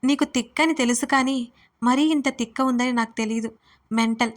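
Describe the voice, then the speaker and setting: A woman's voice: fairly high pitch, steady tone, normal speed, natural voice. A woman voicing a brusque, bossy young man who scolds and teases in an audio story. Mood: bossy teasing. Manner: gruff, teasing, bossy.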